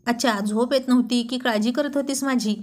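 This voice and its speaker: A playful young husband who teases his wife with easy affection, as a woman narrator puts him on. The voice sits fairly high. It is told as part of a spoken storybook. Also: fairly even intonation, fairly quick, close to an everyday voice. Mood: teasing. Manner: playful, teasing.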